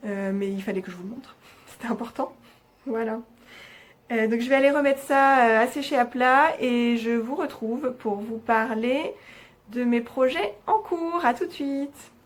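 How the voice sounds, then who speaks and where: A woman's voice: fairly high pitch, moderate pace. A young woman hosting a knitting podcast, chatting hesitantly with many fillers as she shows her projects. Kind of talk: casual chat showing knitting projects.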